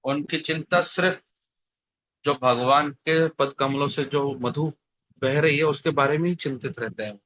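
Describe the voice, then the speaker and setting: A man's voice: a little high, unhurried, fairly bright tone, dry recording. Man preaching over a dull, dry call line. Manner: storytelling, asks the audience questions. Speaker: scripture speaker. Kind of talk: devotional sermon in Hindi. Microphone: online video call. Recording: dry, slightly dull online call audio.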